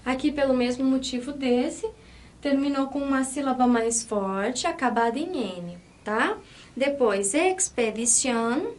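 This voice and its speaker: High-voiced Brazilian woman teaching Spanish. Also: unhurried. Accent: Brazilian Portuguese. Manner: explains step by step, counts syllables aloud, checks in with "tá?". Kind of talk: online language lesson.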